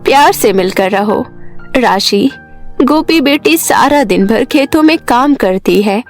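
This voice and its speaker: A woman voicing an ailing, gentle but chiding village mother in an animated story. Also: fairly high pitch, slow, soft background music. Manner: pleading, chiding.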